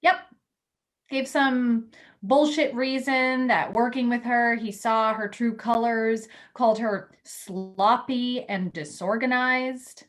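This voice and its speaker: A woman's voice: fairly high pitch, steady tone, slow. A woman acting the part of a frank, loyal, somewhat jaded magazine editor confiding in a friend in a staged play reading. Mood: wounded, wistful. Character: candid, loyal female magazine editor, jaded about love.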